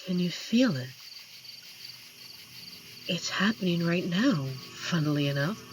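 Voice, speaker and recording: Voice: medium pitch, lively intonation, background noise. A performer voicing an amiable, lonely werewolf who protects a forest, speaking tenderly and earnestly in a scripted roleplay addressed to the listener. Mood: tender, hopeful. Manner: tender, earnest, playfully corny, hesitant pauses. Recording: clear insect and night ambience behind. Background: crickets and forest night ambience.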